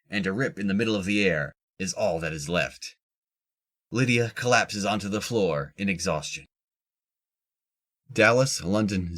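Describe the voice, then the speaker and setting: Deep-voiced man narrating. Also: fairly bright tone. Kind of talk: scripted audio drama narration.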